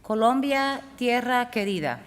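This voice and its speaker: A woman's voice: a little high, lively intonation, slow pace. A woman hosting a live community event, cheering on the crowd and chatting with a performer. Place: outdoor community celebration. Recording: loud crowd and noisy live venue.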